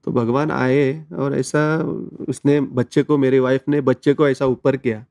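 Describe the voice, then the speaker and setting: A man's voice: mid-range voice, level tone, measured pace, darkish tone, dry recording, clean studio sound. A man, telling a personal story as an interview guest in an earnest, conversational way. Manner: earnest storytelling, mixes in English words.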